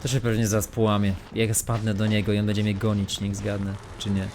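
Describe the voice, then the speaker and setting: Playing a horror game on stream, this man mutters, swears and talks to himself and his audience. His voice is lowish, monotone and a little mellow, and he speaks briskly. The recording is noisy game stream audio.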